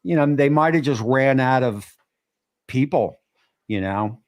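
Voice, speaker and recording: A man's voice: mid-range voice, animated, takes it slowly. A man with a New Jersey accent hosts a casual livestream chat in an everyday mid-range voice. He trips over his words, backs up and restarts, and breaks off to read viewer comments aloud. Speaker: livestream host.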